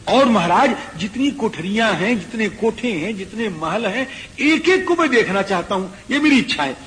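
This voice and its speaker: A high-voiced man gives a devotional discourse on scripture, chanting verses slowly and then explaining them conversationally. His voice rings with a long hall reverb over faint background noise. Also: lively intonation, fairly bright tone. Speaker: scripture reciter.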